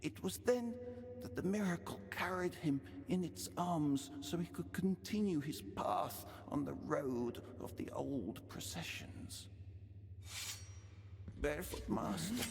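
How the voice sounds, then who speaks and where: An actor playing a tormented, solemn penitent pilgrim in a video game, speaking archaic lines as grave, beseeching oratory. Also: male voice, on the high side, big pitch swings, takes it slowly, creaky, a little mellow, heavily acted. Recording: long cavernous hall reverb.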